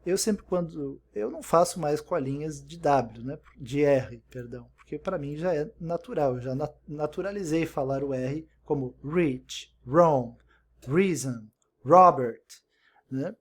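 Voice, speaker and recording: A man's voice: a little high, normal speed, hardly any pauses, darkish tone. A man teaching an English lesson in Portuguese, explaining step by step and repeating example words, often checking in with "né?". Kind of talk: recorded online language lesson.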